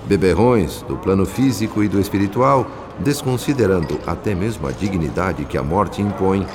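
A man's voice: low voice, animated, normal speed, noisy background. A man playing the solemn narrator of a Brazilian radio drama, with a Brazilian accent and a formal, literary delivery. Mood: grave, disapproving. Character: solemn spirit narrator, grave and literary observer. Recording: long reverb under faint music.

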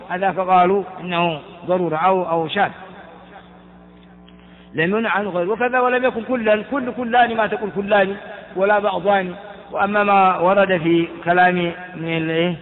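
A man's voice: high voice, fairly even intonation, a little fast. A man teaching a classical Arabic grammar lesson, explaining step by step and asking and answering his own questions. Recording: tinny phone-like sound with long reverb.

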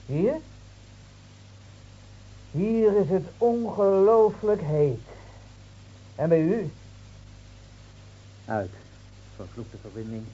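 A man's voice: on the high side, mellow, a little hiss or hum. An actor playing a scornful, officious city-bred policeman in a Dutch radio drama, lecturing and brusque. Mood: official, exasperated. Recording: muffled old radio recording.

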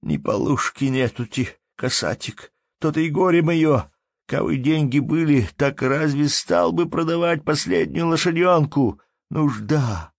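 A man voicing a desperate poor peasant who wails and begs in a creaky, husky, strained high voice. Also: measured pace, no room sound, clean studio sound. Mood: pleading. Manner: wailing, begging, folksy speech.

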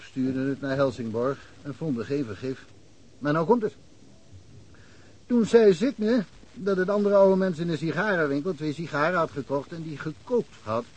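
A man's voice: a little high, darkish tone, close to an everyday voice, low-quality recording. A man playing a rambling village police chief. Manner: rambling, anecdotal storytelling. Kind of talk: radio play acting. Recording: old radio play with faint hiss.

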